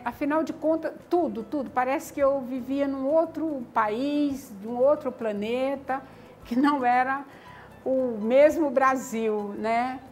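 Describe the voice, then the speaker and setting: A woman's voice: a little high, a little hiss or hum. Older woman telling her story. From Maranhão, Brazil. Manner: reflective, frequent "né?" and "tá entendendo?" tags. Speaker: community founder. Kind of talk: personal life story interview.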